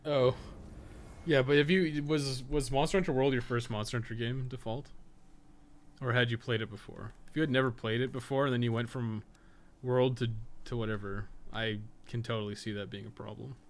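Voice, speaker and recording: A man's voice: medium pitch, steady tone, normal speed. A man giving casual, rambling live gameplay commentary, thinking aloud and swearing freely as he goes. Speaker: game streamer and podcast co-host. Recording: clearly noisy stream audio.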